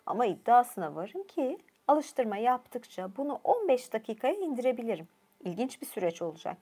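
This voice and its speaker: A woman's voice: a little high, big pitch swings, moderate pace, warm tone, husky. A woman voicing a strong, hot-tempered male thunder god making blunt threats. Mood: threatening. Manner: blunt, threatening, grimly cheerful.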